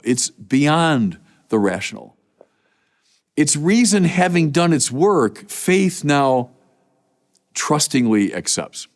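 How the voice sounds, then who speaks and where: A middle-aged man, a bishop, preaching a sermon with emphatic, rhetorical repetitions. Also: mid-range voice.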